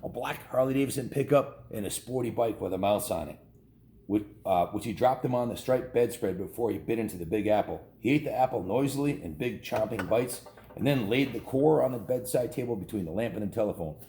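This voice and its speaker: A man's voice: fairly low pitch, brisk, dark tone, echoey room, a little hiss or hum. A man reading a children's story aloud in an informal, homespun way, stumbling and correcting himself with casual asides.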